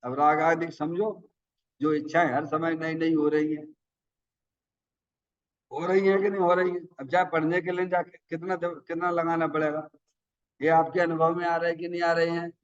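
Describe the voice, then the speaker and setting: दूर से सुनाई देता प्रवचन करता पुरुष. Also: male voice, a little high, level tone, moderate pace. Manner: folksy, asks the audience questions. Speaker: Jain preacher. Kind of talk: sermon. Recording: dull sound from far off the mic.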